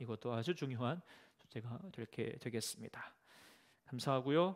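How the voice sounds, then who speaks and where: This man has a normal speaking voice and talks at a moderate pace. His intonation is lively. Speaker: pastor teaching Bible study. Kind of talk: lecture.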